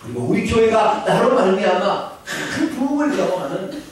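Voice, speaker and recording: A male pastor preaching a sermon in a church, with animated, emphatic calls to the congregation. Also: high-pitched, brisk. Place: church sanctuary. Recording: echoey church hall, distant mic.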